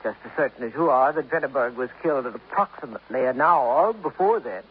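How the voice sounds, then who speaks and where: A man playing a guarded columnist who gives careful, measured answers in 1950s radio drama style on an old recording. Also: mid-range voice, expressive, lightly acted. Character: guarded, smooth male columnist. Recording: tinny old radio transcription, faint hiss.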